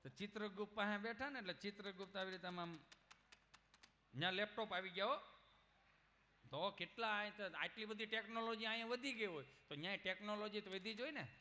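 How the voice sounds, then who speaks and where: A man's voice: high-pitched, brisk, bright, forceful tone. A man doing chatty, teasing stage humor storytelling at a live show, talking straight to the crowd. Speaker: stage comedian.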